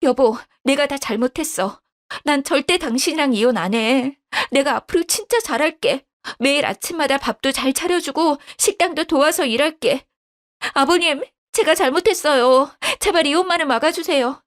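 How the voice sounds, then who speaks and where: A woman voicing a scheming young daughter-in-law who begs and stammers in a shrill, whiny voice. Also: moderate pace, close to an everyday voice. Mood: pleading.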